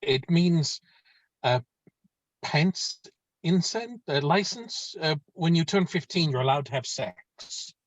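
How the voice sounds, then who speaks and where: A man's voice: fairly high pitch, lively intonation, slow, no echo. A man playing a patient young villager who explains local customs, in a table read over a muffled online call. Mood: explanatory. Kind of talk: virtual table read of a screenplay. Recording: muffled lo-fi video call audio.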